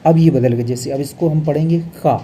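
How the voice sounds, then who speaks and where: Dark-voiced man teaching Hindi grammar. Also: on the high side, slight background noise. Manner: explains step by step, often adds "bhai" and "hai na"; drawn-out, slow when showing pronunciation. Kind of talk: exam revision lesson.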